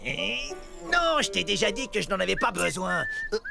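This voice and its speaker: An excitable young male cartoon critter who bickers and exclaims. The pitch jumps around constantly in a middle register. Music plays clearly behind the voice. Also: moderate pace. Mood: bickering, eager. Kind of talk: French animated children's cartoon dialogue.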